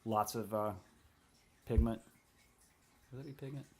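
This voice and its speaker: A man with a Southern US accent and a folksy old-gentleman drawl, making wry, casual commentary over an art video. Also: fairly low pitch, fairly even intonation, measured pace, creaky. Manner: wry, joking.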